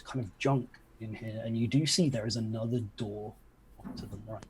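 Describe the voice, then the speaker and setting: A man's voice: lowish voice, steady tone, moderate pace, slight background noise, low-quality recording. A young man casually improvising narration as game master of a tabletop game, explaining things informally over a video call. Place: indoor room at home, on a video call.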